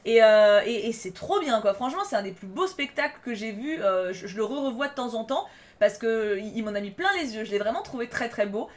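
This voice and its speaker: Young female vlogger, slightly high voice, excitable and rambling. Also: fairly quick. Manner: enthusiastic, rambling with many fillers and restarts. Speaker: YouTuber. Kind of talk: casual vlog countdown.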